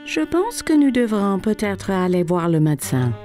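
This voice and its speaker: A woman voicing a gentle, caring mother in a French-dubbed children's cartoon, soothing and concerned. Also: mid-range voice, big pitch swings, normal speed, soft background music, close to an everyday voice. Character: gentle, caring young mother of a small boy.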